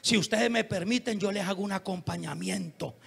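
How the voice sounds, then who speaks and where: A male pastor preaches with fervent, dramatic storytelling. His voice sits high for a man and has a gravelly edge. It sounds bright and tense. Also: fairly quick. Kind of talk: evangelistic sermon with storytelling.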